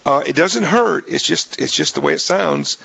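A man hosting a radio talk show in a casual, joking way, his voice raspy, often restarting his sentences. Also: a little high, animated, normal speed, pushed and bright, no room sound. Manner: jokey, rambling with many restarts.

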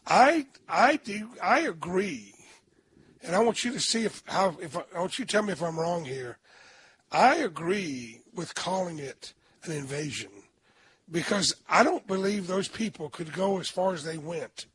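A man with a hoarse voice hosting a radio talk show, chatting in a folksy, emphatic way and often restarting his sentences. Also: sits high, expressive, measured pace, a bit bright, a little hiss or hum.

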